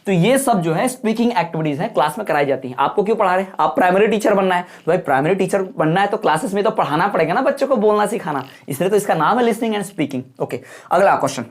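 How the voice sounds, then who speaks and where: A man's voice: high-pitched, lively intonation, brisk. Male teacher, exam-prep lecture; folksy, repetitive, keeps checking that the class follows. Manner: repetitive explaining with frequent rhetorical checks; folksy, addresses viewers as brother.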